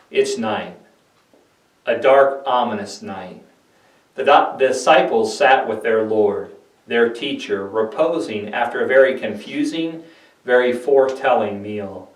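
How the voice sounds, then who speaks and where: A man giving a solemn, deliberate scripted dramatic narration of scripture, like a pastor reading. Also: medium pitch. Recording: echoey room, distant microphone.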